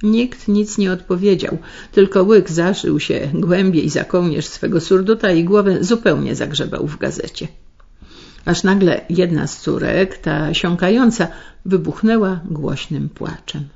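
Gravelly-voiced woman reading on the radio. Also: fairly low pitch. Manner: measured, expressive reading. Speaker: radio story reader and host. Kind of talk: scripted radio narration. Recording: slightly muffled radio broadcast.

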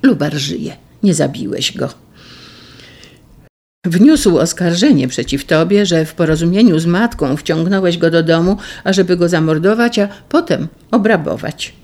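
A reader voicing a devoted young noble woman in an audiobook, urgent and pleading, with a gravelly edge. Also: lowish voice, lively intonation, a little slow, a little mellow. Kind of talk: audiobook reading.

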